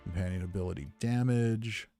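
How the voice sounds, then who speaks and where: A man's voice: low-pitched, normal speed, mellow, faint music behind. A man giving easygoing, casual game commentary, thinking aloud as he plays. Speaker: gamer narrating playthrough.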